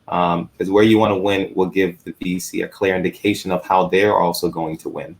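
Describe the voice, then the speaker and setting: A man on an investor panel, speaking haltingly with frequent restarts. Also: low voice, fairly even intonation. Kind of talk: panel discussion.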